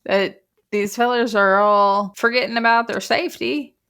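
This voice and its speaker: A woman's voice: a little high, steady tone, normal speed, fairly bright tone, clean tone. Wisecracking woman podcast co-host. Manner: irreverent, wisecracking. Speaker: true crime podcast co-host. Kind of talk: casual banter about a crime case.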